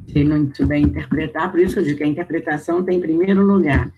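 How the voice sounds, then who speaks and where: A Brazilian-accented man teaching an online class in a relaxed, talky way, reading prompts aloud and thinking through his answers. His voice sits somewhat high for a man. A faint hiss of room noise runs under his words. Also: racing, lo-fi sound. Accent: Brazilian Portuguese. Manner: conversational, checking in with students through tag questions; reads exercise prompts aloud, then thinks out loud. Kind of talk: online video lesson.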